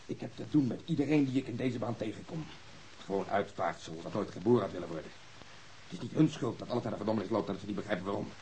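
An actor playing a bitter, bossy police detective in a radio drama, stern and cutting in manner. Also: male voice, on the low side, very fast, pauses often, mellow, a little hiss or hum, natural voice, poor audio. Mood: bitter, contemptuous.

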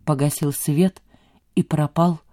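A woman narrating a literary audiobook in a measured, calm storytelling voice. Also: deep voice.

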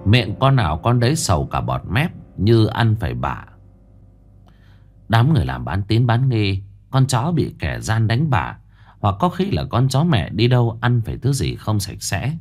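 A man narrating a ghost story in an expressive storytelling manner. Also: fairly low pitch, moderate pace.

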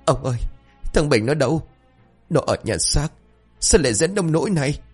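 Grieving mother, high and shrill, pleading and choked, put on by a male narrator. Storybook reading with faint music. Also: animated, normal speed, a little mellow, breathy edge. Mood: distraught pleading. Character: distraught middle-aged village mother, grieving.

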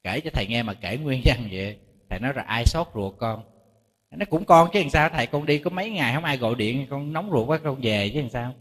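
A male Buddhist monk with a Southern Vietnamese accent giving a lively sermon, often asking the audience rhetorical questions. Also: medium pitch, fast talker. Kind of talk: dharma talk sermon. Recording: long reverb hall.

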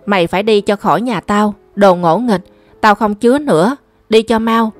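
A woman's voice: mid-range voice, normal speed, dry recording, soft background music, close to an everyday voice. Harsh scolding stepmother, read by a woman. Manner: scolding, cursing.

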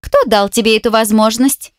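A woman's voice: fairly high pitch, fairly even intonation, moderate pace, no room sound, studio quality, close to an everyday voice. A woman reading an audiobook, voicing a coquettish, spiteful young woman who taunts over the phone. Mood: mocking, venomous. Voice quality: mocking, sugary and spiteful. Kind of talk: audiobook character voice.

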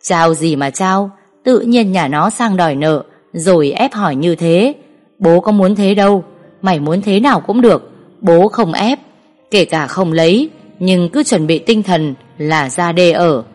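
A woman's voice: fairly low pitch, expressive, measured pace, a little mellow, faint music behind. Woman voicing a worn-out gambler father. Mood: weary pleading. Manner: tired, defeated pleading. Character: indebted gambling village father, weary.

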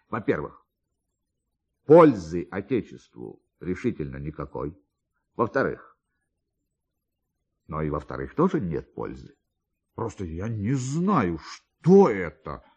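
A male narrator performs a literary tale for radio. His low voice moves through wide swings of pitch, theatrically stretching words and pausing for emphasis. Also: wildly swooping pitch, darkish tone, breathy edge, dull audio.

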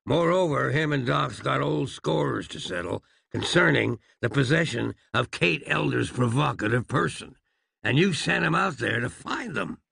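A man's voice: medium pitch, expressive, normal speed, creaky, pushed and bright, slightly rough, no echo, pitched above the performer's own voice, full character voice. A man voicing a grandiose, vengeful Old West marshal who talks in pompous, folksy frontier phrases. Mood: grand.

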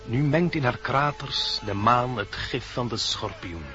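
Slow, ominous seer. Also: male voice, mid-range voice, pushed and bright. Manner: incantatory, solemn recitation. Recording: dull old radio recording, faint music.

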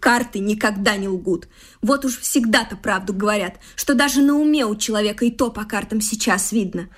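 An actress playing a discontented, frivolous young wife in a classic Russian radio comedy, with a pouty, scornful and stubborn manner. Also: female voice, mid-range voice, fairly quick, close to an everyday voice. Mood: self-pitying. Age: young adult. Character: discontented, petulant, frivolous young wife craving fashion and comfort.

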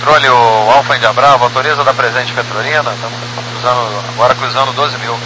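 A man's voice: medium pitch, steady tone, fast. A man speaking as a pilot, making clipped radio calls and readbacks in police-radio style. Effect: two-way radio transmission. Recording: noisy radio with mains hum.

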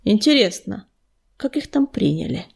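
A woman voicing a young male cat clan leader, speaking softly and earnestly, often hushed. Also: mid-range voice, sing-song, normal speed, creaky, slightly rough, full character voice. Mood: grave. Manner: soft, grateful, often hushed.

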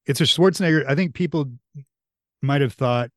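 A podcast host with a fairly high voice chats casually at a moderate pace, eagerly rambling through his points and retelling things animatedly. The sound is studio quality with no echo.

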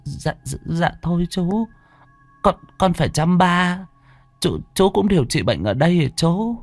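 A man voicing a young boy who stammers in a high, tearful voice. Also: animated, measured pace, dry recording, faint music behind, heavily acted. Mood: timid. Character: frightened young boy, desperate for his dad.

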